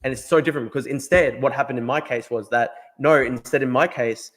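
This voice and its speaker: A rapid-fire man with a mid-range voice, hosting an opinionated podcast. He hammers his points home and circles back to repeat them, peppering his talk with "like" and "right?". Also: mid-range voice. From Australia. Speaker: podcast host.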